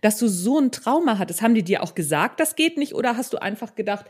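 A woman's voice: on the high side, sing-song, fast, slightly rough. A woman hosting a casual interview, speaking in an engaged way, repeating phrases and adding little tags that seek agreement. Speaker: podcast host, interviewer.

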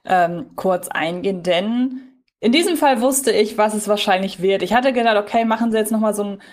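A woman's voice: mid-range voice, normal speed. A woman from Germany co-hosting a podcast in a casual, conversational style. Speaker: podcast co-host.

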